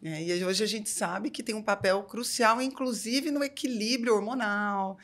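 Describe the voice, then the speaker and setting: A woman's voice: medium pitch, moderate pace, fairly bright tone. A Brazilian woman in her forties speaking as an interview guest, explaining things conversationally and often checking for agreement with short tag questions. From Salvador, Bahia, Brazil. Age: 40s. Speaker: guest, doctor.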